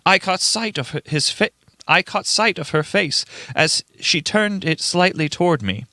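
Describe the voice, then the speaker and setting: A man's voice: high-pitched, lively intonation, a little slow, bright, forceful tone, no echo, heavily acted. A man playing an earnest, unnerved young writer giving testimony in a radio play, in formal old-fashioned language with stumbles over words. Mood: grave, measured. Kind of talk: dramatic radio play reading.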